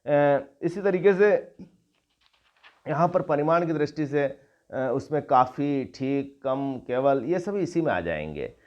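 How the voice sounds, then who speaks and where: A middle-aged man teaching a grammar lesson, explaining slowly, repeating terms and listing examples with pauses and fillers. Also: fairly high pitch, animated, a little mellow. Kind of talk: classroom lecture. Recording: dull lo-fi recording.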